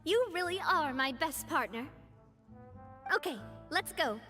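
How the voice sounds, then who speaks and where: A woman's voice: high-pitched, animated, a little slow, bright, forceful tone, full character voice. A woman playing a breezy, playful and confident young leader in a video game, with an easygoing, teasing manner. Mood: cheerful, inviting. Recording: faint game music behind.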